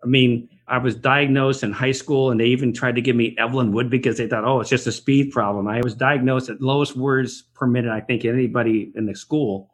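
A middle-aged man with a husky, slightly breathy voice, speaking as a podcast guest. He talks in a reflective, meandering way, circling back and restarting his thoughts as he goes. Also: medium pitch, fairly even intonation, a little fast, hardly any pauses. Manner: rambling, reflective storytelling with restarts. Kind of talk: conversational podcast interview. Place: Los Angeles area.

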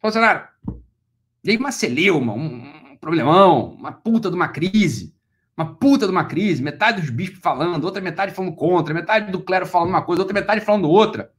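A Brazilian man speaks rapidly, piling one phrase on the next. He repeats himself to press his point, in a voice that sits a little higher than most men's, like a lecturer in full flow. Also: lively intonation. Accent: Brazilian Portuguese. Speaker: philosophy lecturer. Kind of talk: heated monologue to camera.

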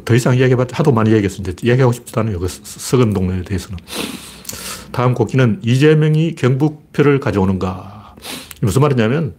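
Husky man with a blunt, lively delivery. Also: mid-range voice. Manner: blunt, rambling storyteller. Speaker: host of a political talk show. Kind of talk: casual political monologue.

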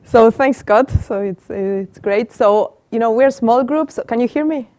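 A middle-aged Argentine professor with an Argentine Spanish accent gives an interactive talk to a small live audience, using a handheld mic. She asks the group questions and repeats their answers, her fairly high, mellow voice measured in pace and free of echo.

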